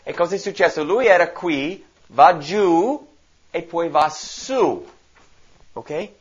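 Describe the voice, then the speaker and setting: Animated male Bible teacher, lively sermon delivery, muffled lo-fi recording. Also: fairly high pitch, slow, husky. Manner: animated, explaining and asking the listeners questions. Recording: dull lo-fi recording.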